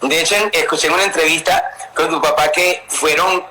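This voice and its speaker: A man's voice: on the high side, steady tone, fairly quick, noisy background. A man hosting an interview, asking eager questions and reacting often with amazement. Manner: eager, reacts with frequent "wow". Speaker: interview host.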